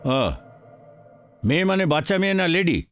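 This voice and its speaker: A brisk senior policeman in a film drama. His fairly high voice moves animatedly as he questions and gives orders. The sound is close and dry. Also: expressive, fairly bright tone, dry recording, faint music behind. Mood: curt, questioning. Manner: curt, questioning, commanding. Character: brisk senior police officer taking a report. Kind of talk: Bengali film melodrama acting.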